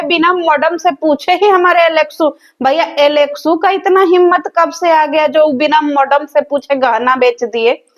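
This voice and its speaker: A woman, hosting a reaction video and roasting the people in it in a mocking, sarcastic, scolding way. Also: sits high. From rural village in north India.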